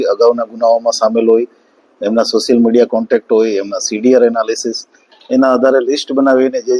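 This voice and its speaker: Low-voiced male officer, formal and halting, dull lo-fi sound. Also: darkish tone. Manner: measured, formal, with frequent hesitations. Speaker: police officer giving a statement. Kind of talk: official press statement.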